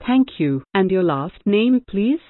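A woman's voice: mid-range voice, sing-song, unhurried, no room sound. A robotic text-to-speech voice playing an overly polite woman phone scammer. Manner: formal, overly polite sales patter. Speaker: scam caller. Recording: phone-like narrow band.

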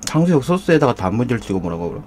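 A man's voice: mid-range voice, sing-song, racing, a little mellow, slight background noise. A man hosting a live mukbang stream, eating and joking while he greets viewers from the chat. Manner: jokey, banters with viewers, reads out chat names. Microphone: desk condenser mic.

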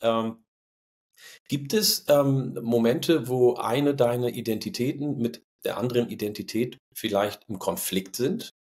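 A man in his forties hosts an interview podcast, putting casual questions to his guest. He speaks at an unhurried pace and often stops on fillers while he searches for words. He is recorded on a studio condenser microphone in a home room. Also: medium pitch, a little mellow. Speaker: podcast host. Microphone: studio condenser mic with headphones.

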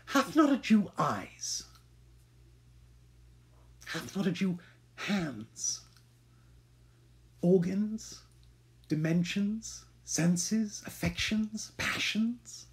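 A man's voice: high-pitched, lively intonation, extremely slow, long pauses, voice pushed up, full character voice. A man playing an aggrieved, vengeful Shakespearean moneylender in an intense, theatrical stage monologue. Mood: wounded, insistent.

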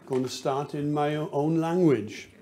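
A man's voice: fairly high pitch, steady tone, measured pace, dark tone, a little hiss or hum. An older man with a Welsh accent, from Wales, giving a courteous formal vote of thanks. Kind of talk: formal speech. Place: meeting hall.

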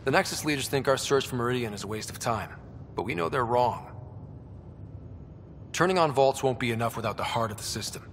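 A man's voice: medium pitch, lively intonation, a little fast, long pauses, a little hiss or hum, natural voice. An actor playing a resolute young man who leads a space exploration team in a video game, casual and confident. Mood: determined.

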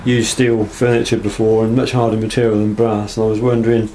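The voice is lowish, dark and a little fast, with little pitch movement. It belongs to a man showing his knife work in an informal, unscripted way, hesitant and understated, in a small block-walled workshop, recorded roughly on camera audio with clear background noise.

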